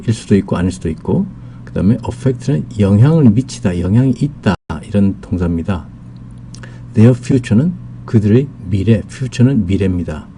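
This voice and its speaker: A man teaching an English lesson on video, explaining slowly and carefully with many fillers and reading English example sentences very slowly. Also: fairly low pitch, vocal fry, warm tone, slight background noise.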